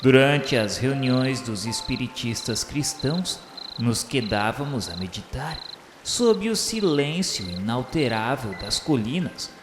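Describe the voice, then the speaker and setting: A man's voice: mid-range voice, expressive, a little slow, close to an everyday voice. A man with a Brazilian accent playing a repentant spirit who narrates a radio novela in a solemn, florid, declamatory way. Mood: reverent, wistful. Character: repentant male spirit solemnly recounting his afterlife rehabilitation. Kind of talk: scripted first-person radio drama narration. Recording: echoey reverberant hall over faint music.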